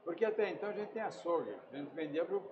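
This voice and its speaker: An older man, a podcast guest who tells animated anecdotes and acts out the dialogue. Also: on the high side, quick pace. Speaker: meat company owner, guest. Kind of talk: casual podcast chat, storytelling. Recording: roomy, muffled, noisy room sound.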